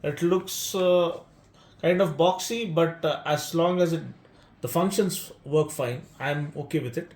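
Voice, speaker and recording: Indian male vlogger, thirties, slightly higher pitch, conversational reviewer, echoey noisy room. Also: unhurried, darkish tone. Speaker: vlog host and product reviewer. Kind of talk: casual unboxing chat. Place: hotel room, indoors. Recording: echoey room with noticeable background noise.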